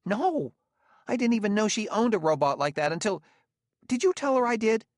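A male narrator acts out a fretful, aggrieved spacer in a science fiction story. The voice sits well above his natural pitch and jumps around with flustered, defensive pleading. It is recorded very dry and close. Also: very animated, normal speed, dry recording. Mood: anxious, defensive. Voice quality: squeaky when agitated. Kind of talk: audiobook character dialogue.

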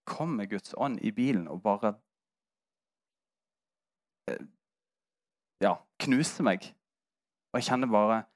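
Candid male pastor. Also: lowish voice. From Norway. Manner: candid storytelling with self-mocking humor. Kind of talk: sermon.

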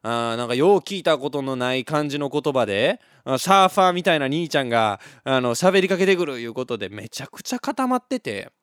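Kansai man, solo radio host, animated story chat, dry close sound. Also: medium pitch, fairly quick, few pauses, clean tone, dry recording. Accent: Kansai Japanese. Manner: animated, laughs often between lines.

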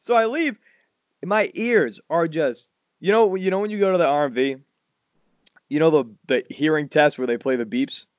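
A loud, animated man, chatting as a podcast host. His voice sits a little high and leaps up further when a story excites him. The sound is dry and a bit dull, like a lo-fi recording. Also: moderate pace, no echo. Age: 40s. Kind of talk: casual chat.

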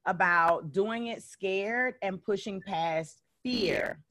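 A woman hosting a podcast, asking her guest questions in a deliberate, emphatic way. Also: mid-range voice, a bit bright, no room sound. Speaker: podcast host. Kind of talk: podcast interview.

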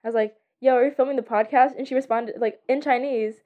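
Young woman, high voice, giggly and slangy, casual podcast conversation. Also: fairly even intonation, fast, narrow, tinny audio. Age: young adult. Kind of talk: casual chat.

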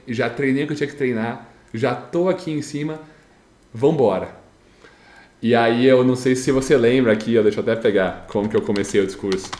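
A young Brazilian man telling a story in casual chat, animated and repeating himself, with a slight stammer. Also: medium pitch, reverberant. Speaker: storyteller recounting his graduation speech.

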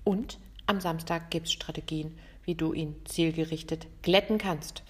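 A woman, hosting a podcast lesson as a vocal coach, talking directly and lively to the listener. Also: deep voice, unhurried, breathy edge. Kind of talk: podcast lesson on singing technique.

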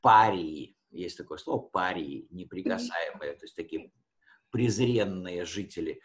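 A man's voice: deep voice, a little slow. A man teaching history conversationally, explaining with hesitations and rephrasing his key words as he goes.

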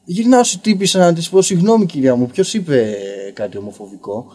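A young man telling a story casually on a podcast as a guest comedian, rambling and filling pauses with "you know". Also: high voice, sing-song, mellow. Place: basement podcast studio.

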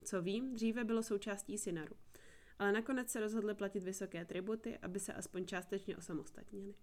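A woman's voice: mid-range voice, steady tone, a little mellow, close to an everyday voice. A woman voices a terse male wanderer who keeps his feelings hidden. He answers in a curt, matter-of-fact way, in a plain audiobook reading with no big change of voice. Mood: measured.

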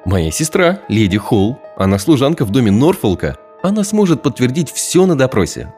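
An actor playing an urgent male courtier who hurriedly and secretively reports news to a churchman in an audio drama, with soft music underneath. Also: mid-range voice, sing-song, moderate pace, natural voice.

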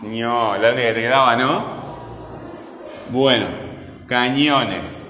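A man teaching a grammar lesson one-on-one, repeating words slowly syllable by syllable and asking guiding questions. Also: medium pitch, bright, forceful tone, roomy sound, in a large hall, soft background music. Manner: asks frequent guiding questions with "¿verdad?".

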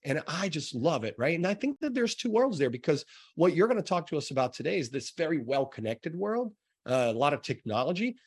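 A man's voice: on the high side, very animated, brisk, husky. A man with an American accent hosting a podcast, interviewing in a casual, rambling way with repeated words. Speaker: podcast host.

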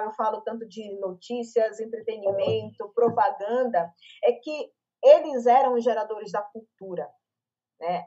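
A Brazilian woman speaking as a guest in a casual live panel chat, an animated and expressive storyteller on a video call. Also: on the high side. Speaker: panel guest, media professional. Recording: lo-fi online call audio.

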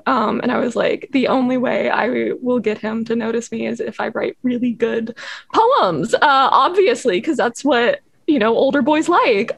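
A woman's voice: fairly high pitch, creaky, slightly rough, dry recording. A young woman from Los Angeles, a poet guest, answering interview questions in a chatty way full of fillers and restarts. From Los Angeles, USA.

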